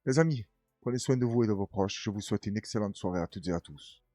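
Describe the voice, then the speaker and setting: A man's voice: lowish voice, quick pace, dry recording, clean studio sound, soft background music. A man hosting a casual news commentary stream, reading viewer comments in a slangy, streetwise way. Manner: animated storyteller, voicing others in his tales.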